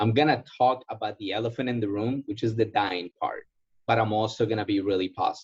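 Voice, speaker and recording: A man with a Spanish accent, somewhat breathy, medium in pitch, fairly quick and fairly even in intonation. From Ecuador. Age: 30s. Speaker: insurance sales agent. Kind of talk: Q&A training talk. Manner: halting, many repetitions.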